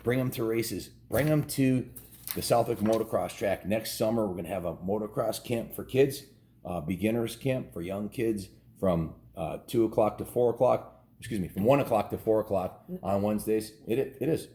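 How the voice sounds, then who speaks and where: Low-voiced man reading aloud, roomy echo. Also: normal speed, warm tone. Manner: informal, stumbles and corrects himself while reading. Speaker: storyteller reading a children's book aloud. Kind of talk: homespun read-aloud with casual asides.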